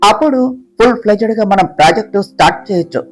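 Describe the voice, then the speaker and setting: A man's voice: high voice, lively intonation, racing, faint music behind. The speaker, a woman doing a curt young boss. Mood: calm, businesslike. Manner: curt, scolding. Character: stern young male boss, short-tempered and bossy.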